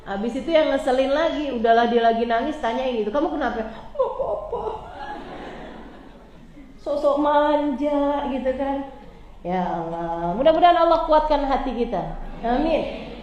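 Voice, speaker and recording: A woman preacher tells a story in a relaxed, chatty way, turning often to her listeners. Her voice sits fairly high, and the echoey room carries a faint ambient murmur. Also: moderate pace, highs cut off, a little hiss or hum. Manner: chatty, addresses listeners directly. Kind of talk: casual storytelling sermon.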